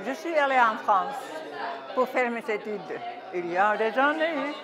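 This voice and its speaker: A woman reminiscing in a slow, measured, wistful way in a large hall. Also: fairly high pitch, animated, a crowd in the background. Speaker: alumna. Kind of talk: reflective reminiscence.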